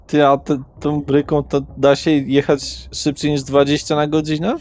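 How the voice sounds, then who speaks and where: A man's voice: on the high side, completely flat delivery, normal speed, a little mellow, lightly acted. A man voicing a cocky, eager young street tough who swears and talks in pushy slang in a tabletop roleplaying game.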